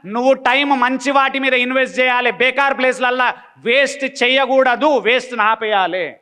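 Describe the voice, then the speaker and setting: A man's voice: very high voice, normal speed, pushed and bright, clear, resonant tone. A man giving a blunt motivational talk, full of repeated rhetorical questions. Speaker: motivational speaker.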